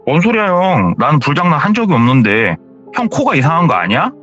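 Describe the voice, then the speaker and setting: A man voicing a young schoolboy who protests in a high, whiny voice, recorded with dull lo-fi sound. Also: sing-song, a little fast, a bit bright. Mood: protesting. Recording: dull lo-fi sound with faint music.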